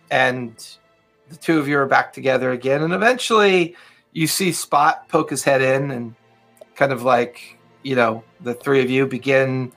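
A man's voice: mid-range voice, a bit bright. A man narrating a tabletop game as game master, in loose, filler-heavy narration.

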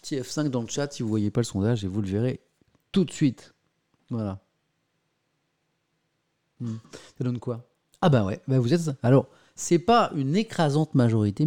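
A man's voice: medium pitch, warm tone. A man hosting a live-streamed press review, chatting casually with his viewers and mocking himself, with many fillers and restarts.

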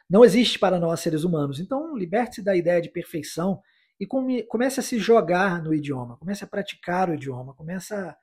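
A man from Brazil teaching English in a podcast lesson, explaining phrases and then repeating the English lines slowly for listeners to practise. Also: high-pitched, a little mellow, husky. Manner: encouraging, with tag questions like "né?" and "tá?".

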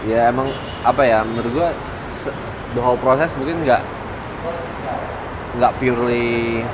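A man's voice: medium pitch, steady tone, unhurried. A young man, a musician being interviewed, talking casually and hesitantly, searching for words. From Indonesia. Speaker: musician guest, bassist and singer. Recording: outdoor recording with traffic noise.

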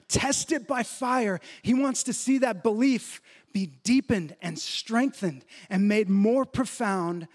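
High-voiced man preaching with emphasis. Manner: emphatic teaching, rises in pitch to stress points; slows down deliberately on key phrases. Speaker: pastor. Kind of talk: sermon.

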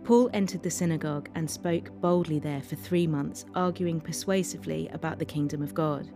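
A woman's voice: sits low, normal speed. A woman reading a scripted Christian devotional as its narrator. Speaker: devotional reader. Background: faint music.

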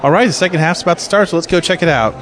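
A man's voice: on the high side, racing. Chatty man hosting at a theater. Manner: chatty, upbeat, many fillers. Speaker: podcast host interviewing theatergoers. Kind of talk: casual on-location interviewing. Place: theater concourse, indoors.

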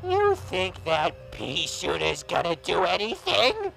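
An actor playing a sadistic, vengeful monster in a horror audio drama, with gravelly, mocking menace. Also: mid-range voice, huge pitch swings, fairly bright tone, faint music behind, full character voice, rough recording. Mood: vengeful, taunting. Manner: menacing, drawn-out, mocking taunts.

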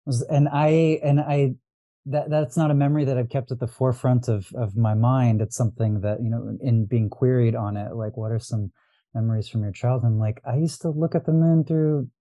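Man, very warm dark tone, dry close sound, reflective, rambling, casual interview guest. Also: medium pitch, fairly even intonation, normal speed, no room sound. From Los Angeles. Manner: reflective, rambling, frequent restarts and fillers. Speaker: podcast guest, astrologer and diviner.

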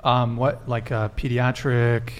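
A man's voice: medium pitch, flat delivery, slow, a little hiss or hum. A man hosting a casual dating podcast, asking direct, teasing questions of his guests. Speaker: podcast host. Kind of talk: casual panel chat.

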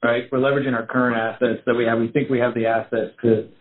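A man's voice: medium pitch, flat delivery, quick pace. A man speaking as a company executive, giving an unscripted business explanation on an earnings call. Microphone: conference call line. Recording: noisy phone-like line with clicks.

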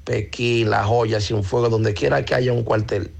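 A man from the Dominican Republic leaving a message for a radio show, calmly explaining his view on police. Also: lowish voice, measured pace, vocal fry. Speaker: caller.

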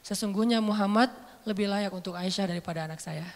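Seorang pria memerankan lelaki Arab tua yang tenang dan berwibawa, berbicara dengan khidmat dan terukur. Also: male voice, high voice, quick pace, in a large hall. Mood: solemn.

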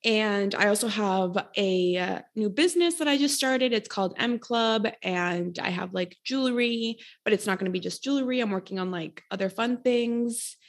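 A woman's voice: mid-range voice, moderate pace, hardly any pauses. Laughing, self-deprecating young woman. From Costa Rica. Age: 20s. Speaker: podcast guest. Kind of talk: casual chat.

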